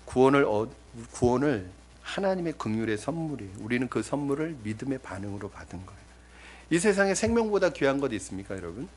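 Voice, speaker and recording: A man's voice: very animated, fast talker, slight background noise. A middle-aged man preaching a sermon to his congregation, emphatic, addressing them directly and often quoting scripture. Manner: emphatic preaching with big swings in pitch and volume. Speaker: pastor.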